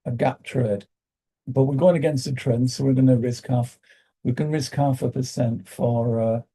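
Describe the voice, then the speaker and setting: Croaky British male trading host, very dark and husky, muses aloud with many fillers. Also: medium pitch, fairly even intonation. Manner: thinking aloud, halting with fillers. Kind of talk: live trading commentary.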